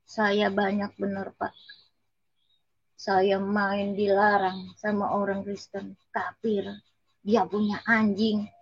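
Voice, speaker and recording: A woman's voice: mid-range voice, monotone, slow, long pauses, breathy edge, no echo, lo-fi sound. A woman with a Betawi accent gives an earnest, emotional personal testimony and respectfully addresses her listener as sir. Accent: Betawi Indonesian. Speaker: testimony giver.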